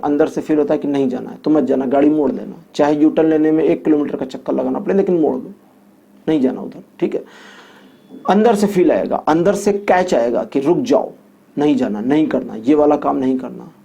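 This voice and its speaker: A man's voice: a little high, creaky, mellow, slightly rough. A man giving a weekly tarot horoscope reading, explaining each point with repetition and homely examples. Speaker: tarot reader.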